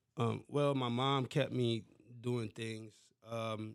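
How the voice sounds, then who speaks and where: In a normal speaking voice with an American accent, the intonation stays fairly even. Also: man. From US Midwest, Milwaukee north side. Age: 30s. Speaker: hip-hop producer and beat maker. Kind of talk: casual interview chat.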